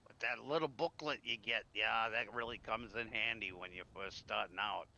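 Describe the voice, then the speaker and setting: A man's voice: fairly low pitch, moderate pace, creaky, bright, forceful tone. A man rambling in a folksy, casual way while playing along in a survival roleplay game. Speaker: player in a zombie survival roleplay stream. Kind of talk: casual in-character roleplay chat. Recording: faint background noise.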